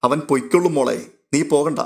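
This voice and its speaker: Man voicing a firm, steady older sister. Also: fairly high pitch, fast talker, natural voice. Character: calm, firm older-sister woman protecting her family.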